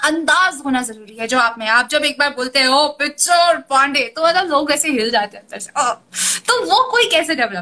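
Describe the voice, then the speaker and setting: A woman's high, raised, projected voice with very wide pitch swings. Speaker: talk show host. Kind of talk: interview host, conversational Hindi-English.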